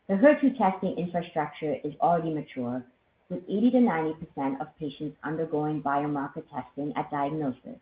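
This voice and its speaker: A woman executive giving a formal, measured scripted presentation on a corporate earnings call. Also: low voice. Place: conference call line. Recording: thin phone-like line, roomy echo, faint noise.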